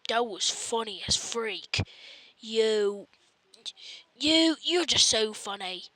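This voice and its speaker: A woman's voice: fairly high pitch, animated, slow pace, sharp tone, no room sound, rough recording. A woman casually reacting to short videos, muttering short asides.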